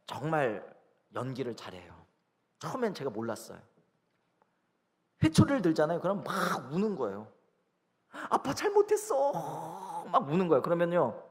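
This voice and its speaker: A middle-aged male pastor delivers an emphatic sermon, his high voice swinging widely between forceful peaks and soft drops. The long reverb of a church sanctuary rings around each line. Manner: emphatic, swings from shouting to near-whisper.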